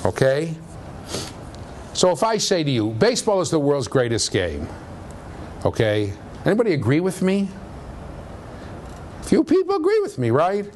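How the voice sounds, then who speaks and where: A man lecturing a university class in a conversational way, with a low voice, often checking in with "okay?". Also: huge pitch swings, normal speed, pauses often, darkish tone, slight background noise. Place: lecture room.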